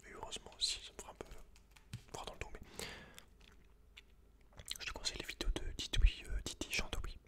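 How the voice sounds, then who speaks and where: A man speaks in a breathy, voiceless whisper, hosting ASMR. He moves between reading aloud and informal, slangy remarks addressed straight to the listener. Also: a little fast, pauses often, pushed and bright. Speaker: ASMR video host.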